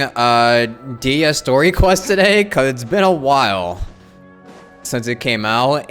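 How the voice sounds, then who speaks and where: A man's voice: medium pitch, a bit bright. A man doing casual livestream commentary as he plays a game, chatting informally with viewers. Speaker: game streamer. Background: game music.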